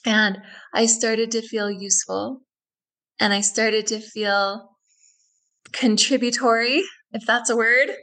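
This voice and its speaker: A woman's voice: fairly high pitch, steady tone, slow pace, a bit bright, low-quality recording. A woman guest in a radio interview who tells a personal story earnestly and reflectively, often repeating phrases.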